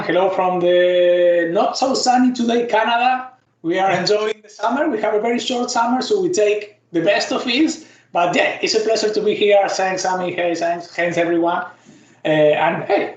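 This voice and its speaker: A man's voice: high-pitched, moderate pace. A man from Argentina, speaking as a guest on an online talk in a loose, friendly, self-deprecating way. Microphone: video call. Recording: roomy, dull online call audio.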